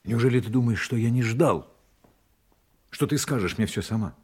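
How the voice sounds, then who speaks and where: An actor playing a guarded secret agent, tender but bitter, with an intense, deliberate delivery in a Russian audio play. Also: male voice, mid-range voice, husky, natural voice. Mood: wounded, passionate. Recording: music under the voice.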